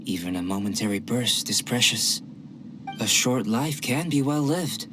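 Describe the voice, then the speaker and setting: A man voicing a calm young male alchemist, curious and scholarly, who speaks in a measured, soft, philosophical way in game voice acting. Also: mid-range voice, background noise, lightly acted. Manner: measured, softly spoken, philosophical. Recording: game audio with clear music behind.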